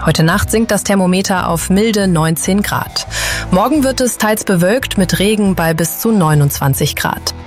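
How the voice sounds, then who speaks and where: Woman reading radio traffic news. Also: medium pitch. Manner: brisk, informal address. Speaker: traffic and weather presenter.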